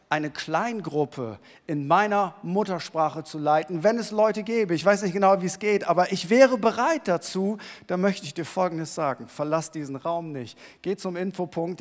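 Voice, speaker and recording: A pastor preaching a sermon in a church hall, moving between quiet talk and loud, shouted emphasis. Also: male voice, a little high. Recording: long reverb of a church hall.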